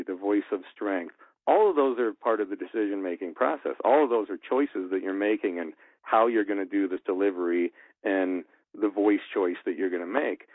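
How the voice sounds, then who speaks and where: A man with a lowish voice explains voice-acting choices from a radio producer's view, candid and loose, full of fillers. The sound is thin and phone-like, with a dry, close quality and no room around it. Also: moderate pace, no echo. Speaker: radio producer and audio engineer. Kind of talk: voice-acting advice talk. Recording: tinny phone-like line, dry.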